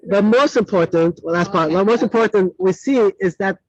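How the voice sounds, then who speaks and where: A high-pitched Swiss teacher speaking at a normal pace gives a classroom lecture and fields questions from the audience. English isn't his first language, and he stays animated, correcting himself and adding chatty asides, on a dull, dry, lo-fi recording.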